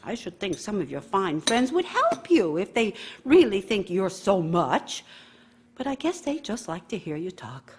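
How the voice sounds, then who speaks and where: An actress playing a bitter, long-suffering wife in a radio play, nagging and scornful, with a husky voice. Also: female voice, medium pitch. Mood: nagging, impatient, then bitter, needling. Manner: scornful, reproachful, needling. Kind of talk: radio theater monologue.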